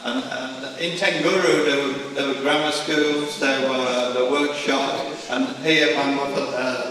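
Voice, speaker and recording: Slow-speaking man in an echoing hall. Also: mid-range voice. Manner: hesitant, broken phrasing. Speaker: speaker on family history. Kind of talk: slide presentation, narrating family history. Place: large echoing hall with audience. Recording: echoey hall, distant mic, audience noise.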